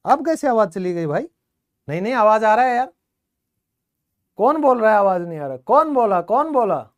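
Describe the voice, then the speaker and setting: A male teacher giving an online grammar class, chatty and constantly checking with his students through quick questions. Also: high-pitched, sing-song, clear, resonant tone.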